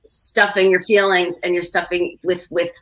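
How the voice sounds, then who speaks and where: A woman's voice: lowish voice, level tone, normal speed, fairly bright tone, poor audio. A woman co-hosting a livestream talk show, chatting casually and giving practical advice with personal examples, full of fillers.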